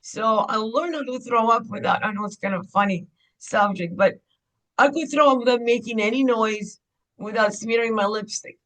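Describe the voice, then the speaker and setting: A woman's voice: a little high, normal speed, fairly bright tone, poor audio. A woman from Ukraine, candidly telling her life story as a guest on a podcast interview. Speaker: guest, clinic owner.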